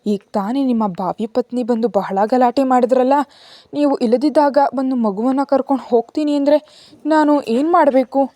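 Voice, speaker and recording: A woman's voice: high voice, mellow, dry recording, studio quality, voice pushed up, lightly acted. A woman voicing an earnest, anxious young female caregiver who keeps pressing with questions.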